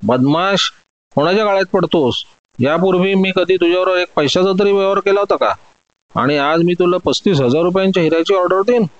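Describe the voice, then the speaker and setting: Audio-story part: indignant older merchant, prickly and proud , voiced by a man, pitched up, dry lo-fi sound. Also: no room sound, close to an everyday voice. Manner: protesting, quick to take offence.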